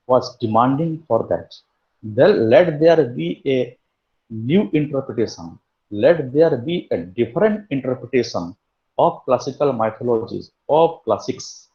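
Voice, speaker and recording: This man's medium-pitched voice has a somewhat dark tone, and the audio is lo-fi. He's an Indian university lecturer teaching literature online, going step by step and restarting his sentences often.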